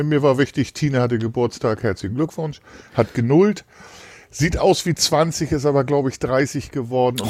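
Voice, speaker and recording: A man talks with ordinary pitch variation. His voice is fairly high. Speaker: true crime podcast co-host. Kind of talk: casual chat and case narration. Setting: remote recording over a line. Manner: calm, soothing.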